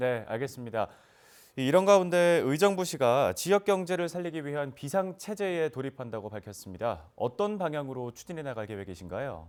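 At a moderate pace, a man with a fairly high pitch speaks with very wide pitch swings and big swings in loudness. The recording is very clean with a silent background. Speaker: news anchor. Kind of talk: news reading. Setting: studio. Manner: formal.

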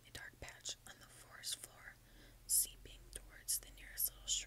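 A woman whispers. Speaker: ASMR creator. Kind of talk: ASMR audiobook-style reading. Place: home room. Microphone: earbuds.

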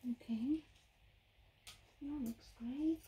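A soft-spoken woman whispering at a very slow pace. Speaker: ASMR creator. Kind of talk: ASMR roleplay, soft-spoken whispered talk to the listener. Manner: whispered, soft-spoken. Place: home room. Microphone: studio mic.

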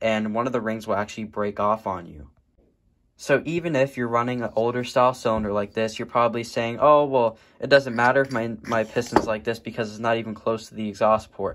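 A man keeps his intonation fairly even while noticeable background noise plays behind him. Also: fairly quick pace. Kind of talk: tutorial. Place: workshop. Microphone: phone near.

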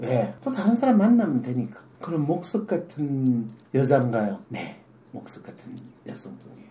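A man talks at a moderate pace in a dark, mellow tone. His voice is somewhat breathy, with very wide pitch swings. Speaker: psychology counseling show host. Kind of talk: casual counseling talk show discussion. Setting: studio. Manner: animated, teasing. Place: studio.

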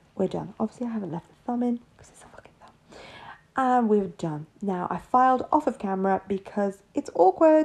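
Moderately paced speech from a woman with a dark, mellow tone and lively intonation. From England. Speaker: nail artist and educator; educator. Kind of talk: tutorial. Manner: quiet; casual, chatty. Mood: relaxed, jokey. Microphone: phone near.

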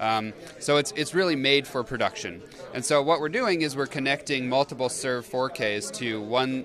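Over music in the background, a man speaks at a moderate pace with ordinary pitch variation and a dry sound with no echo. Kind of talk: interview answer. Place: hall. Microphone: handheld.

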